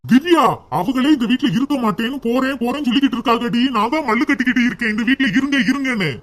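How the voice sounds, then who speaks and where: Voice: high-pitched, very fast. A performer voicing an exasperated brother and husband in a cartoon family drama, reproachful toward his wife. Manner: reproachful, shouting at times.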